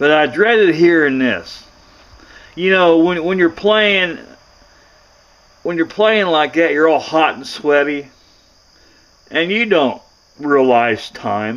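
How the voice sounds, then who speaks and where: A man's very slow speech, with lively intonation and long, frequent pauses. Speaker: vlogger. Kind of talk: casual vlog chat. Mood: nostalgic reminiscing. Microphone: phone near.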